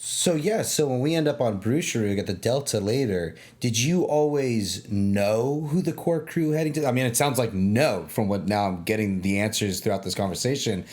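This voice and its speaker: A man's voice: medium pitch, animated, normal speed, few pauses, darkish tone. A man hosting a podcast roundtable, asking long rambling questions and gushing over the story. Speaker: podcast host, lore keeper. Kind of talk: casual roundtable chat.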